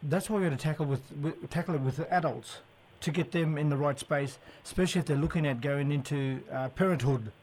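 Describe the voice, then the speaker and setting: A man's voice: a little high, fairly quick, darkish tone. A man with an Aboriginal Australian accent presenting live talkback radio in a colloquial, matey way. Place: radio studio.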